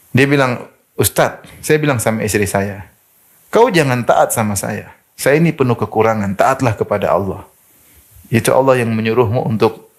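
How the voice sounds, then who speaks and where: A man preaching an Islamic sermon to women, telling stories and mimicking the people he quotes. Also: mid-range voice. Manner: animated storytelling, mimics quoted speakers.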